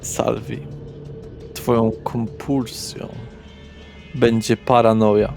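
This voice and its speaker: A man runs a tabletop roleplay as its game master. He narrates deliberately at a slow pace in a mid-range voice, with soft music faintly behind him. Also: medium pitch, level tone, vocal fry.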